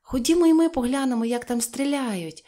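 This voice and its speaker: A woman's voice: sits high, animated, fairly quick, dark tone, pitched above the performer's own voice. A woman reading an audiobook and voicing a bold, cheerful little girl who exclaims playfully and grandly. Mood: cheeky.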